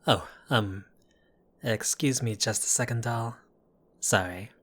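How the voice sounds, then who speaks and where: A man's voice: mid-range voice, slow pace, a bit bright, breathy edge. Man playing apologetic, exasperated mafia boss. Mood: apologetic, awkward. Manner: conversational, wry, placating, theatrical asides. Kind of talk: audio roleplay addressed to the listener.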